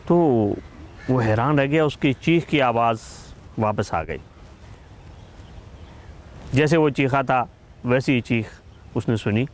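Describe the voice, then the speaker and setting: A man telling a moral story and then explaining its lesson in a measured, explanatory way, addressing listeners as friends. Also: medium pitch.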